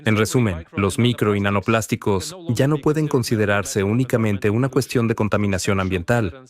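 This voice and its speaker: Lowish male conference speaker, even and formal. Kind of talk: formal scientific presentation.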